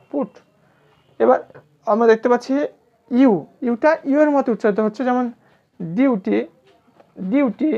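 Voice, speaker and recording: A native Bengali-speaking woman teaching English pronunciation in a recorded lesson, slowly repeating example words and pausing with fillers. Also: fairly high pitch, darkish tone. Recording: dull lo-fi sound.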